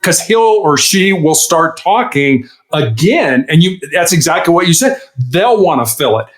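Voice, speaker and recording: A man's voice: on the high side, animated, a little slow. A man, a guest and former hostage negotiator, talking casually in a podcast interview and explaining with examples, full of "you know" fillers.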